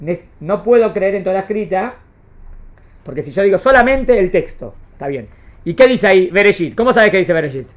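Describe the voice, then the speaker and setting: Her medium-pitched voice is expressive and brisk as she lectures her religious studies students. The teacher, a woman with a Rioplatense Spanish accent, often makes sure they have grasped the material.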